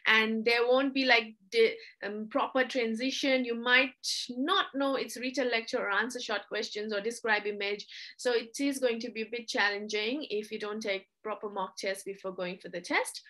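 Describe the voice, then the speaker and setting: A young adult woman tutor explaining test changes in a casual, chatty way, often apologizing and filling pauses. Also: on the high side, fairly even intonation, sharp tone. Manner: chatty, apologetic, with frequent fillers.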